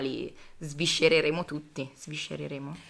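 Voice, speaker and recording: The recording is very clean, with a silent background. A woman's tone comes through bright and sharp. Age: 20s. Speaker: podcast co-host, university student. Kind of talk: casual chat. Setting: home kitchen.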